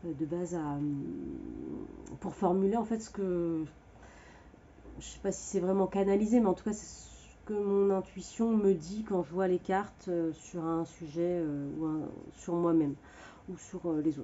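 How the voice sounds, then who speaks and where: A woman's fairly low voice with ordinary pitch variation, big swings in loudness, a fairly slow pace and long, frequent pauses. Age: 40s. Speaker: Reiki teacher and card reader. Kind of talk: casual self-introduction vlog. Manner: halting, many filler hesitations.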